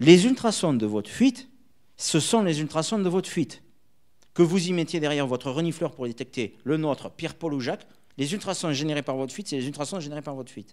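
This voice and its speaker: Fairly high in pitch, a man talks at a fairly quick pace in an animated tone with lively intonation. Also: very clean recording, silent background. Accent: southern French. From southern France. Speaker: industrial equipment sales manager, conference speaker. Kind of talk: conference presentation with Q&A. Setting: conference room with audience. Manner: animated, hesitant with many false starts.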